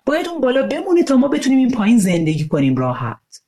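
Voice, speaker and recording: A woman's voice: on the high side, wildly swooping pitch, mellow, voice pushed up. A woman voicing an angry, mocking schoolboy bully in an audio storybook, over guitar music. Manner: mocking, scornful.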